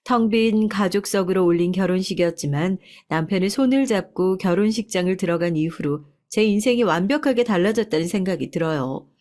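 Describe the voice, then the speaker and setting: A woman narrating a first-person life story in a soft, confiding way. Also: medium pitch, brisk, few pauses.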